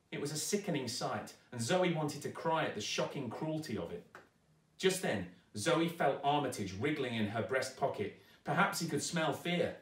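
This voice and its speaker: A man narrating a children's story aloud with dramatic, expressive delivery, recorded in a roomy space at some distance. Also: medium pitch. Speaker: storyteller, actor reading aloud. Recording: roomy echo, distant microphone.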